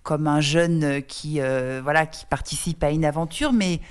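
A woman's voice: low-pitched, normal speed, clean tone. Hesitant woman interviewer. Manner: hesitant, searching questions with fillers. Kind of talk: interview questions.

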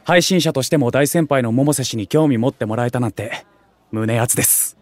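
An actor playing an excitable young otaku food streamer in an audio drama, talking in geeky slang with exaggerated reactions and junior-style politeness. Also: male voice, mid-range voice, moderate pace, no room sound, close to an everyday voice. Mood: thrilled. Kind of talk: Japanese audio drama acting.

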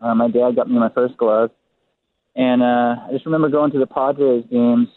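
A man's voice: mid-range voice, flat delivery, normal speed, dry recording. A man from San Diego calling in to a radio talk show, his voice muffled as if through a wall, speaking hesitantly with many ums. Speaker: phone-in guest. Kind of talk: casual radio chat. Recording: muffled tinny phone line.

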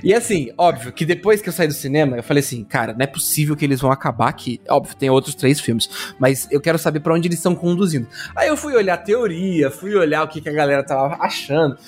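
A man chatting casually and emphatically on a podcast. His voice sits a little high. Faint music plays behind him. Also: lively intonation, fast talker, hardly any pauses, a little mellow. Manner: emphatic, rule-stating fan talk. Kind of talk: casual chat.

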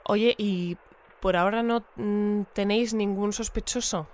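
Casting: inquisitive, courteous bulletin presenter for a radio drama acted, smooth clear voice, measured interview questioning. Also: mid-range voice, fairly even intonation, a little mellow, close to an everyday voice. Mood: probing. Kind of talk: audio fiction acted as a radio news interview.

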